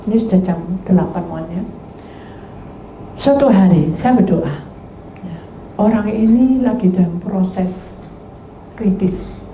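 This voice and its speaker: Woman pastor, lively storytelling sermon, roomy sound with faint hiss. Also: medium pitch. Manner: animated storytelling, acting out dialogues, addresses congregation. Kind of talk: sermon with testimony. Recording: echoey room with faint background noise.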